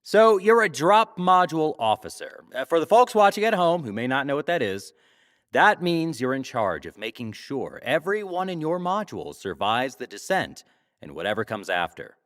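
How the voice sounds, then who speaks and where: An actor playing a glib, teasing talk show host in a sci-fi audio drama, wry, theatrical and probing. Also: male voice, fairly high pitch, sing-song, normal speed, a bit bright. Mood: playful, teasing.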